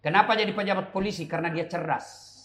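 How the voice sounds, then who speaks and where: A man's voice: high voice, fast talker, a bit bright, a little hiss or hum. A middle-aged man, preaching a humorous sermon to young people with joking asides and rhetorical questions.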